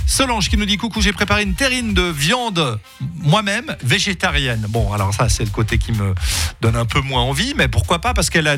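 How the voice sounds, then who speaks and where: Bright-voiced, playful male radio host. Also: fairly high pitch. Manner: lively, joking, laughs often. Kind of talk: casual radio chat.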